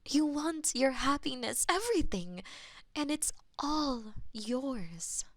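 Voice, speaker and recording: A woman voicing a possessive, lovestruck goddess of death in a romantic audio roleplay, murmuring intimately and slipping into breathy whispers. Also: high-pitched, lively intonation, slow, no echo, pitched above the performer's own voice, heavily acted. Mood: tender, adoring.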